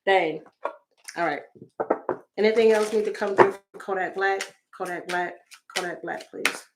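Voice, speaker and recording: Woman, slightly raspy, tarot reader, chatty, exclaims to viewers, mid-pitched. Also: unhurried, background noise. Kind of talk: casual tarot reading to viewers.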